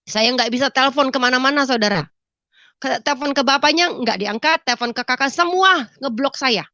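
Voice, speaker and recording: A middle-aged woman gives a tearful church testimony, sniffling, her voice breaking with grief as she keeps addressing the congregation as "saudara," brothers and sisters. Her voice is high, brisk, pushed and bright. The recording is dry, dull and lo-fi.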